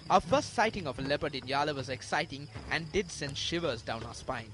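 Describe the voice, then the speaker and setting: A man's voice: on the high side, lively intonation, brisk. A man delivering scripted nature documentary narration as a news reporter.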